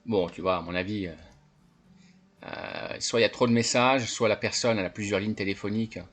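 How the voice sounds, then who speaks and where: A man's voice: lowish voice, a little fast, a bit bright, soft background music. A man chatting casually and colloquially to his viewers as a vlogger, in a familiar way. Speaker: vlogger exposing scams. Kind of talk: casual chat to camera.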